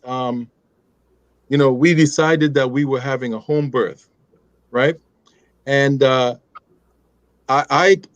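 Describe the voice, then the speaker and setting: A man's voice: medium pitch, no echo. Laughing middle-aged man telling stories. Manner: animated, laughing, many restarts. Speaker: guest. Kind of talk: storytelling in conversation.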